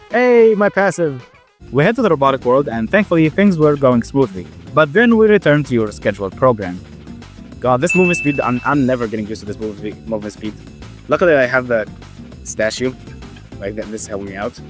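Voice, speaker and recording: A young man who stutters often, narrating and reacting loudly to a game he is playing, casual and swearing. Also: mid-range voice. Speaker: gaming YouTuber. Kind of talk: game commentary with voice-over narration.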